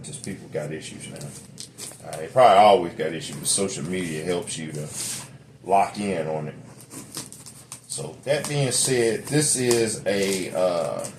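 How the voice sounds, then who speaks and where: A middle-aged man vlogging from home to a camera he set up, talkative and rambling with lots of fillers and restarts. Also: slight background noise. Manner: drops into a deep put-on radio voice. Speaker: vlogger reviewing a product. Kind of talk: rambling casual vlog. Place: home room. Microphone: camera set up nearby.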